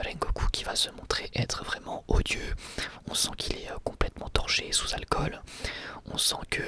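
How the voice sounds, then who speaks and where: A man's voice: fairly high pitch, sharp tone. A man giving a whispered ASMR review of an episode, hesitant, with many fillers and restarts.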